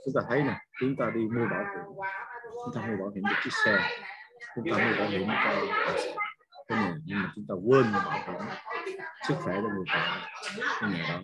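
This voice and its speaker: A man in his forties talks casually over a webcam microphone, rambling from point to point and laughing as he turns questions on his listeners. Behind him, a house full of guests keeps up a loud wash of party chatter. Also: fairly low pitch, expressive, fairly quick, long pauses. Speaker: business trainer hosting a morning Zoom session. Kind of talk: casual talk on a video call. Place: home room with guests over. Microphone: webcam microphone on a video call. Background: noisy party crowd in the house.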